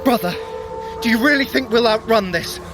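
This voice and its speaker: A man's voice: very high-pitched, normal speed, music in the background. A man playing a sly, theatrical Norse trickster god in an audio adventure, wry and flamboyant, with elaborate formal wording. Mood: alarmed. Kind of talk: dramatic audio adventure acting.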